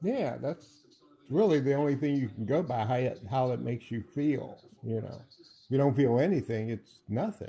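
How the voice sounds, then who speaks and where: With an American accent, a man talks at a moderate pace with lively intonation. His voice has a dark, mellow tone and is somewhat breathy. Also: medium pitch for a man. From Ohio, US. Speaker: guest on live chat. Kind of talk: casual chat.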